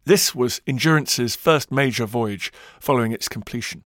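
A man narrating a historical documentary in a measured storytelling way that slows for emphasis. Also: medium pitch, a bit bright, dry recording, studio quality.

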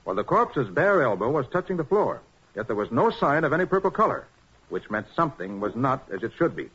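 A man's voice: mid-range voice, sing-song, fairly quick, fairly bright tone, slightly rough, full character voice. A man playing a confident, methodical American master detective in a 1940s radio drama, explaining things precisely and with assurance. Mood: assured, explanatory. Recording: muffled old 1940s radio recording.

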